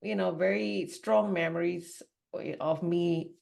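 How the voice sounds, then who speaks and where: A woman's voice: lowish voice, fairly even intonation, takes it slowly, vocal fry, a little mellow. A woman from Singapore, a podcast guest, telling her life story candidly in a rambling, conversational way. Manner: candid, rambling, frequent "you know" and "like". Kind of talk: personal storytelling in a podcast interview.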